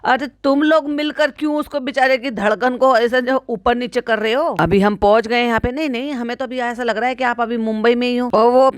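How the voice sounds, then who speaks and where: A woman's voice: on the high side, steady tone, brisk, hardly any pauses, no echo, studio quality. A woman giving teasing, sarcastic reaction commentary on a video. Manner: teasing and sarcastic, with frequent laughs. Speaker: reaction vlogger.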